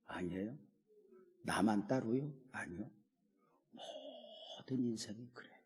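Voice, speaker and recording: A male pastor preaching a sermon in a church, telling a story and at times dropping to a soft near-whisper. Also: fairly low pitch, lively intonation, slow pace, breathy edge. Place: church sanctuary. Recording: long hall reverb.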